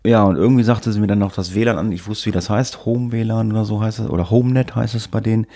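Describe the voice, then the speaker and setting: A man's voice: lowish voice, steady tone, fast talker, mellow. A man co-hosting a casual podcast chat, telling grumbling tech stories in a rambling way full of fillers. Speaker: podcast co-host.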